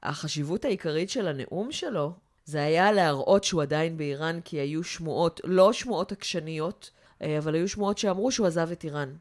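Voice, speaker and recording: A woman who is an academic expert guest on a podcast, explaining in a lively, teacherly way. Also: deep voice. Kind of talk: casual podcast discussion.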